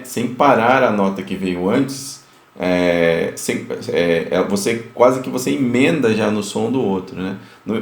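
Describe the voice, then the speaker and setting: A music teacher talks through a lesson in a gravelly, fry-tinged voice, tagging his points with quick checks to his students. His words carry a noticeable echo from the room around him. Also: lowish voice. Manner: explanatory, many fillers, sings note examples.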